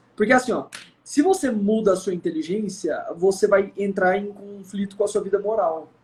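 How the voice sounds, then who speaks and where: A man talks in a high pitch. His pitch varies in an ordinary way. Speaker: convert giving faith testimony. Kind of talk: testimony in live interview. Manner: fast.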